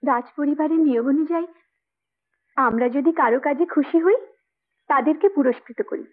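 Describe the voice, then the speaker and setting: Actress as a soft, emotional young heroine, high voice, tinny film audio with music. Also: female voice, normal speed, natural voice. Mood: tender. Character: young village girl and a princess.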